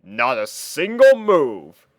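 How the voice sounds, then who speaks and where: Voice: medium pitch, huge pitch swings, slow, dry recording, studio quality, pitched above the performer's own voice. A narrator playing a bold young male dragon hero, proud and declamatory, in a storybook reading. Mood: bold, defiant.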